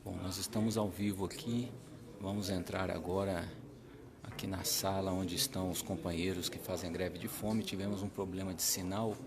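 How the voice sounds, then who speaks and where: Live reporter, male, very low gravelly flat voice, crowd heard behind. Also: normal speed. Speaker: livestream reporter. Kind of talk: live narration.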